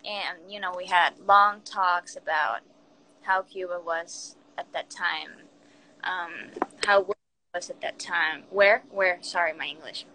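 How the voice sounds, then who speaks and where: A woman's voice: lowish voice, steady tone, takes it slowly, bright, forceful tone, slight background noise, low-quality recording. A young woman in her twenties with a Spain Spanish accent, chatting casually on a phone live stream and switching between Spanish and English. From born in Puerto Rico, raised in Spain. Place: small room indoors. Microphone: phone front camera, close.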